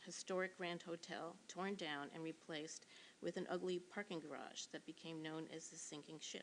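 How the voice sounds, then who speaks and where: Speaking at a moderate pace with an American accent, a woman uses a fairly low pitch and monotone, flat intonation. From New York. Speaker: resident speaking at public comment. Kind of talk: prepared public comment statement. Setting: city council meeting.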